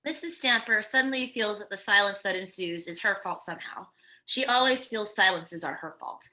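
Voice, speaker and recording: A woman's voice: mid-range voice, moderate pace, bright, forceful tone. A woman narrating stage directions from a script at a virtual table read. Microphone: video call microphone.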